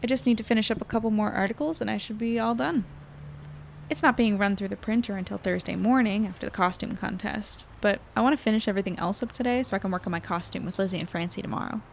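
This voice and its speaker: A woman's voice: medium pitch, fast talker, gravelly, a little hiss or hum, natural voice. A woman playing an upbeat young reporter who narrates a chatty audio journal in an audio drama. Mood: chatty, pleased. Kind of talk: conversational first-person audio drama narration.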